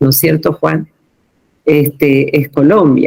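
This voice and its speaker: Dry and close with no echo, a woman's voice is very deep and low, with vocal fry, at a very slow pace. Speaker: director of a postgraduate institute. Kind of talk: informal talk to live online audience. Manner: slow, deliberate.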